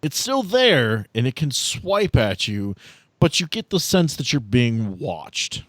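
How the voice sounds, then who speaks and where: A man acting as game master, narrating a tabletop role-playing game in descriptive, deliberate detail. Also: medium pitch, very animated, no room sound.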